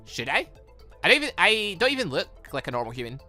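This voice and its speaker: A man's voice: high voice, big pitch swings, fast talker, bright, forceful tone, soft background music, full character voice. A man voicing a frank, questioning girl, an artificially created being, in a visual novel. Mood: matter-of-fact. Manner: frank, matter-of-fact, questioning. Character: blunt, curious artificially created girl who loves sweets. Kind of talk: visual novel character reading.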